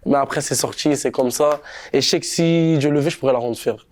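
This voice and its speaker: A man's voice: mid-range voice, brisk, darkish tone. Laid-back young man rapper, slangy. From Montreal, Canada. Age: young adult. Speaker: rapper being interviewed. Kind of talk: casual interview chat.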